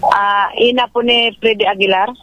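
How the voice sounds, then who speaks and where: A woman's voice: mid-range voice, steady tone, normal speed, fairly bright tone. A woman calling in to a radio show, polite and brief in her answers. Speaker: caller. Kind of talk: phone call to radio show. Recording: distant phone line with music behind.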